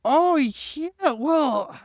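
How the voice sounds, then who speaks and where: Podcast host: man, high lively voice, informal, halting phrasing, casual interview chat. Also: dry recording, studio quality. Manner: informal, halting, thinking aloud.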